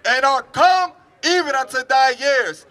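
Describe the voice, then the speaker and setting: A man reading Bible verses aloud for a preacher, loudly declaiming them in drawn-out phrases. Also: very high voice. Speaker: scripture reader for a preacher.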